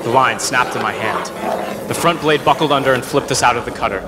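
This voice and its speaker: A wry, stubborn young pilot recounts his adventure in a radio drama , played by a young man. His mid-pitched voice sits amid loud sound effects and ambience. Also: a little fast, heavy background noise, close to an everyday voice. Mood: wry recounting. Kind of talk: first-person radio play narration and dialogue.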